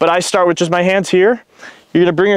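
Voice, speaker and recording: The man's pitch is high. The background is quiet and the sound is dry with no echo. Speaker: shooting instructor. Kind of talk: tutorial. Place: open country.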